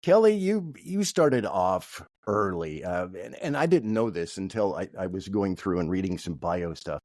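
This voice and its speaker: A man from Kansas co-hosting a podcast, telling stories in a halting way with many restarts. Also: low voice, very animated, darkish tone, no echo, clean studio sound. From Kansas, USA. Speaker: podcast co-host. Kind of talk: casual podcast chat.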